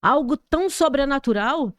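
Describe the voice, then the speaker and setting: A woman's voice: high voice, normal speed, no room sound, clean studio sound. Brazilian woman pastor telling a vivid testimony. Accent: Brazilian Portuguese. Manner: vivid, animated storytelling with sound effects. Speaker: pastor, podcast guest. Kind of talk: dramatic personal testimony. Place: podcast studio.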